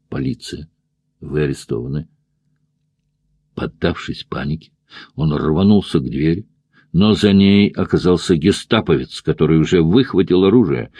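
A man reading a thriller audiobook aloud in a steady, measured narration on a close studio mic. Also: deep voice, no room sound. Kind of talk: scripted narration of a thriller novel.

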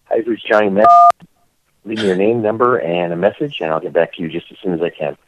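A man's voice: low-pitched, fairly even intonation, quick pace. Man's answering machine greeting, phone-thin. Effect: recorded answering machine greeting heard over the phone. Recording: tinny phone line, faint hiss.

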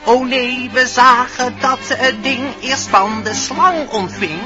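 A performer playing an eager forest animal witness, telling things in measured rhyme in a musical radio play. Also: medium pitch, lightly acted. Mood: eager, explaining. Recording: dull radio recording with music.

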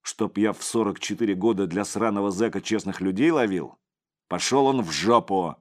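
A man voicing a gruff male policeman in his forties who growls and barks short orders. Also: lowish voice, moderate pace, darkish tone, close to an everyday voice. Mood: angry.

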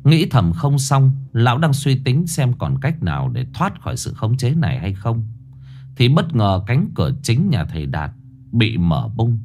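A man narrating a horror story in an expressive, suspenseful way. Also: mid-range voice, a little slow, soft background music.

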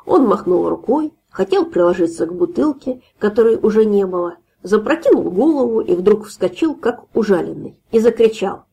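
A woman narrates a fairy tale audiobook with an even storytelling manner. Her voice is gravelly and husky, with hushed asides. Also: medium pitch, moderate pace, few pauses.

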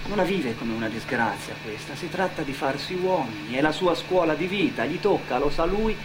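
A man's voice: a little high, lively intonation, moderate pace, background noise. A man working as an actor-narrator, telling a story in dramatic theatre style. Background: music under the voice.

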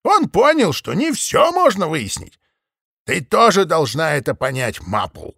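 A man's voice: fairly high pitch, huge pitch swings, unhurried, vocal fry, fairly bright tone, breathy edge, dry recording, studio quality, pitched above the performer's own voice, heavily acted. A man voicing Sir Ritchfield, a stern older ram who drawls and lectures the flock, in a raised voice. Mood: lecturing. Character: stern pompous old ram.

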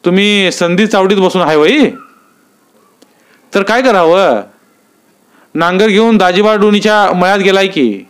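A man's voice: high voice, expressive, measured pace, long pauses, clear, resonant tone, voice pushed up. A man voicing anxious rural villagers with rustic, worried speech.

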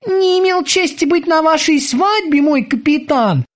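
A woman voicing a timid, eager male bosun who reports in a stiffly formal, drawn-out way. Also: high voice, lively intonation, voice pushed up. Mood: formal reporting.

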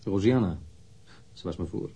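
A man's voice: sits low, moderate pace, warm tone, husky, full character voice. An actor playing a guarded, reluctant engineer in his thirties being questioned in a radio drama, answering curtly and somewhat irritably. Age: 30s.

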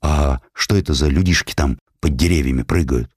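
A man's voice: extremely low pitch, normal speed, husky, no echo, clean studio sound. A man voicing a huge young village-born Russian hussar, simple and homesick, speaking in a folksy, exclamatory way for a storybook. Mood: naive curiosity. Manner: folksy, exclamatory, plain-spoken.

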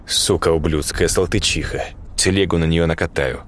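A man's voice: low voice, moderate pace, a little hiss or hum, pitched below the performer's own voice, lightly acted. A man voicing a blunt, foul-mouthed middle-aged male teacher who lectures and swears. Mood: gruff. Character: gruff crude male schoolteacher, middle-aged.

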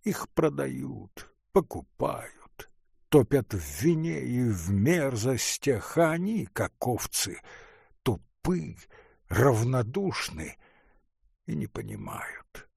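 A man reading aloud voices the quiet, slow, despairing thoughts of a young man. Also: medium pitch, sing-song, vocal fry, breathy edge, no room sound, studio quality, heavily acted. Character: despairing young male student, brooding inwardly.

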